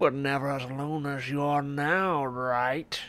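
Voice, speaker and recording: A put-on character voice speaks very slowly in a smug tone. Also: man. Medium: game stream. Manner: prying, insistent, smug.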